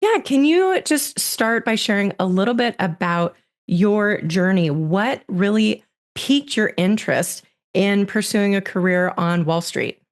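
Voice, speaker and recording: A woman's voice: medium pitch, animated, a little slow. Upbeat woman podcast host. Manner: upbeat, reads guest bio. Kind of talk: scripted intro and interview.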